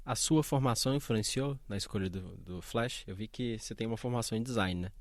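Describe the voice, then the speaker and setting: A man's voice: on the low side, brisk, no echo. A man hosting a podcast, upbeat and friendly as he asks open questions. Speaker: podcast host. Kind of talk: podcast interviewing.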